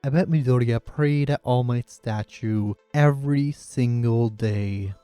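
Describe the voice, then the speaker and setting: A man's voice: medium pitch, a little slow, mellow, clear, resonant tone, no echo. A man narrating a scripted video essay in an opinionated, sarcastic, casual way. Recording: music playing under the voice. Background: background music.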